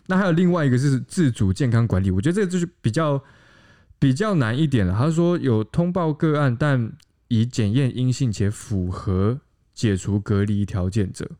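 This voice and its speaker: A man's voice: mid-range voice, expressive, moderate pace, dark tone. A man with a Taiwanese Mandarin accent co-hosts a casual podcast and explains the rules. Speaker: podcast co-host.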